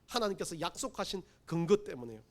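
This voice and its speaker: A man's voice: sits high, big pitch swings, fast talker. A man preaching a sermon as pastor, emphatic, acting out pleading quotes, with self-deprecating asides. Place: church sanctuary.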